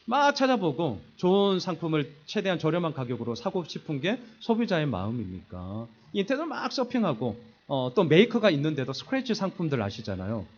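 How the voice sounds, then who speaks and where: A middle-aged man preaching a sermon, telling a self-mocking story with lively humor and acting out the voices in it. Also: fairly high pitch, highs cut off. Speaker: pastor. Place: church sanctuary.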